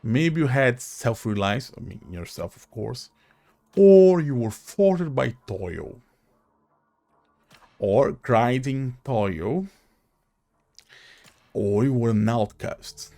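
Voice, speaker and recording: A man hosts a gaming video in a gravelly, mid-pitched voice. He comments casually and haltingly, thinking aloud. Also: a little mellow.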